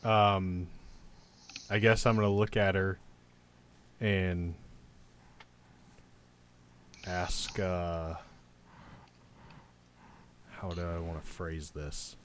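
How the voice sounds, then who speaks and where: Male tabletop player, very low register, casual delivery, faint ambient noise. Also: level tone, takes it slowly, long pauses, a bit bright. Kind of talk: casual game chat.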